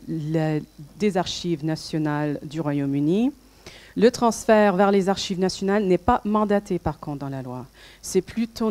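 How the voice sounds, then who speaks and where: A woman with a Canadian French accent speaks at a public debate. Her tone is mellow and relaxed. She hesitates often, filling gaps and restarting her sentences as she explains. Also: on the low side. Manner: hesitant, many fillers and restarts. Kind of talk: conference talk.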